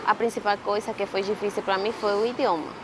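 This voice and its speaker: A Venezuelan woman in her twenties with a Venezuelan Spanish accent, speaking Portuguese as a second language and telling her own story with pauses as she searches for words. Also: medium pitch, fairly even intonation, a crowd in the background, background noise. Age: 20s. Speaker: interviewee. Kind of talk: casual personal account.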